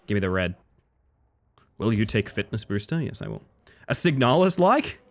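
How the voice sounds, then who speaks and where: A man's voice: lowish voice, big pitch swings, normal speed, gravelly. A man with an Australian accent, chatting casually with his live-stream audience while gaming, reading chat aloud and swearing now and then.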